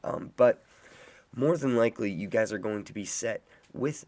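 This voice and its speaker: Low raspy man guiding a game. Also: moderate pace. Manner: instructive, steady, talks to viewers as "guys". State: hoarse from illness. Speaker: game guide host. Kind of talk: casual gameplay walkthrough commentary.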